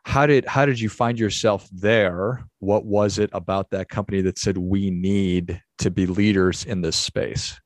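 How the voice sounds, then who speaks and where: A man's voice: low voice, steady tone, measured pace, hardly any pauses, no room sound, clean studio sound. A man hosting an interview show, upbeat and encouraging toward his guest. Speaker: podcast host.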